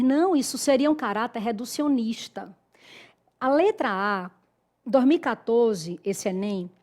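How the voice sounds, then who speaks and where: Brazilian woman teaching a grammar lesson. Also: on the high side. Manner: explanatory, addresses students directly with tag questions. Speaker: Portuguese teacher.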